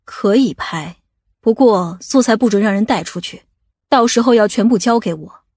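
Woman acting a bossy practical family aunt in an audiobook, brisk, slightly husky. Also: mid-range voice, darkish tone, lightly acted. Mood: instructing. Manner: brisk, instructing.

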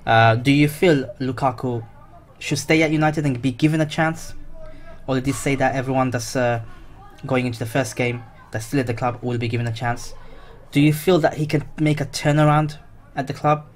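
A man's voice: medium pitch, fairly even intonation, normal speed. A young man giving blunt, opinionated football commentary, repeating himself with many fillers. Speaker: football vlogger.

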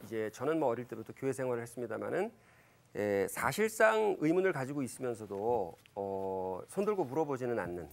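A man's voice: fairly quick, creaky. A man in his fifties giving a church lecture, retelling Bible scenes and family stories with many fillers and self-corrections, acting out the quoted lines. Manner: animated, acts out quoted lines with big pitch jumps. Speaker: Christian lecturer.

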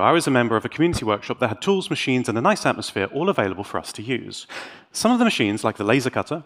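A British man delivering a scripted tech talk as a conference speaker, theatrical and wry, with dramatic pauses. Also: medium pitch, fairly bright tone. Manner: wry, tongue-in-cheek.

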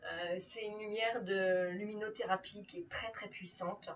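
A woman's voice: mid-range voice, steady tone, moderate pace. A tired middle-aged woman chatting casually to her viewers while doing her makeup, laughing often and talking to them directly. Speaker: beauty vlogger. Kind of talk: casual makeup chat to camera. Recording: slightly dull home recording with faint noise.

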